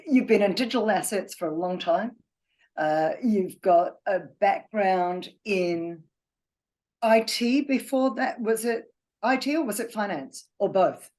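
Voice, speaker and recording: A woman's voice: medium pitch, lively intonation, measured pace, darkish tone. A woman hosting an interview podcast, asking casual questions and repeating words playfully. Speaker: podcast host.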